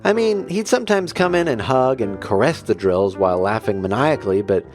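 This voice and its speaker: A man's voice: on the low side, sing-song, a little fast, faint music behind. A man voicing a goofy, laid-back male digger who rambles and stalls with fillers. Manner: rambling, hesitant, full of fillers. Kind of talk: cartoon voice acting.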